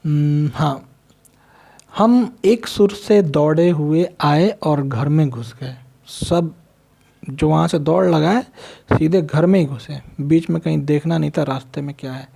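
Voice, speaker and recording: Gravelly-voiced man teaching a story. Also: a little high, a little slow, dark tone. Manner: reads a line then explains it in simple words; asks the class questions and answers them himself. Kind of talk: Hindi literature lesson explaining a story.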